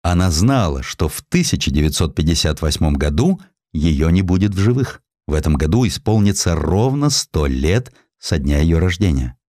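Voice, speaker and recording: A man with a very low voice reads literary history aloud. His delivery is dramatic and highly varied in pitch, with the polish of a scripted audiobook. The sound is dry and close. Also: very animated, normal speed, darkish tone, dry recording. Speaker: audiobook narrator.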